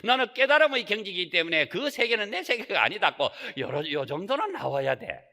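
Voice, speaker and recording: A man's voice: high-pitched, sing-song, fairly quick, sharp tone. A man, a Buddhist monk, giving a Sunday Dharma talk with rhetorical questions and folksy asides. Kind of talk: sermon. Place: temple hall. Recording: reverberant temple hall.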